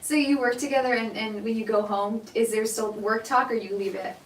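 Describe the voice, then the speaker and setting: Woman interviewer, higher voice, chatty, lots of fillers, roomy echo, far mic. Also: steady tone, fairly quick. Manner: chatty, many fillers and back-channel murmurs. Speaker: host. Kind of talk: casual interview. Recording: roomy, distant mic, faint noise.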